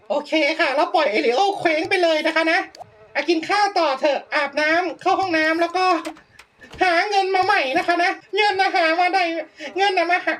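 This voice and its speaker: A woman's voice: very high voice, fairly bright tone. A young woman streamer giving chatty, polite gameplay commentary, laughing often and reacting with exaggerated dismay. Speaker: VTuber streamer.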